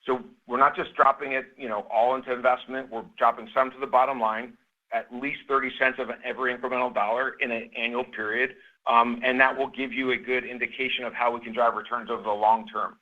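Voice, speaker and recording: A man speaking as a company chief executive, giving measured, explanatory answers to analysts on an earnings call. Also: medium pitch, little pitch movement. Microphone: conference call line. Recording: muffled phone-line conference call.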